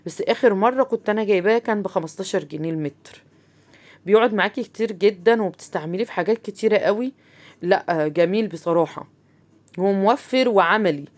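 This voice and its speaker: A woman's voice: medium pitch, fast, a little mellow. A woman with an Egyptian accent hosting a casual craft tutorial, chatting straight to her viewers with plenty of fillers as she explains each step. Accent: Egyptian Arabic. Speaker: crafts channel host.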